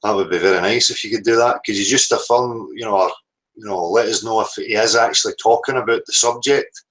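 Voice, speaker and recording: A man's voice: fairly low pitch, brisk, fairly bright tone, poor audio. A man with a Scottish accent chatting casually as a livestream host and reading out the live chat.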